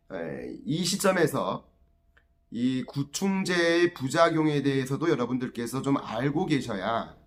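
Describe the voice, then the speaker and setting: A man's fairly high-pitched voice with lively intonation at a very slow pace. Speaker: health YouTuber reviewing papers. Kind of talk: paper review talk.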